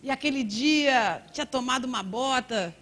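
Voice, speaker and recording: A Brazilian woman pastor preaching in a church, telling a personal story with lively quoted dialogue. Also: sits high, moderate pace. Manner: storytelling with acted quotes and laughter. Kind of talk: testimony sermon.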